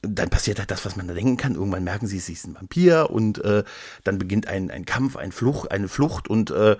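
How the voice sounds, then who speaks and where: Low-voiced man telling stories in a close, dry recording. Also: expressive, brisk, darkish tone, husky, no room sound. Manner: rambling, repeats words, playful. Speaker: podcast co-host. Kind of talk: casual conversational storytelling.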